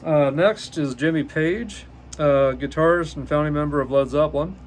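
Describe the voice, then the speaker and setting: A man in his fifties hosts a solo podcast, reading haltingly from notes with many ums and uhs and frequent self-corrections. His voice is a little high, and there's slight background noise.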